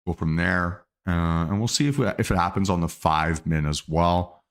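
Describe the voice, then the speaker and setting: A man's voice: low-pitched, normal speed, a bit bright. A man hosting a day trading livestream, casually thinking aloud through his trades with fillers and restarts, with the hiccups. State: has the hiccups. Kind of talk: live market commentary.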